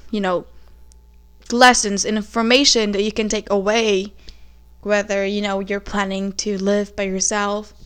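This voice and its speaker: A woman's voice: mid-range voice, a bit bright, smooth. A young woman with a Filipino accent hosting a casual solo podcast, chatting and switching between Tagalog and English, a little nervous, recorded on a phone in her bedroom. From Philippines. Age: young adult. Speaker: podcast host.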